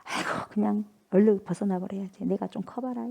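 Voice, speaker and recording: Fed-up sulky teenager, as a woman preacher puts him on, low muttered grumbles. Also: steady tone, brisk, gravelly, mellow. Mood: grumbling.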